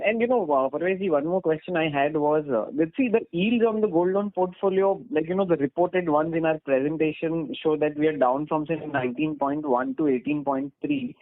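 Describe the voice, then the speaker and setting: A man's voice: on the high side, no room sound. A man with an Indian accent asks an analyst's questions on an earnings call, conversational and rambling, padded with "you know" and "like". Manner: rambling, filler-heavy, frequent "you know" and "like". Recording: dry, tinny narrow-band phone line.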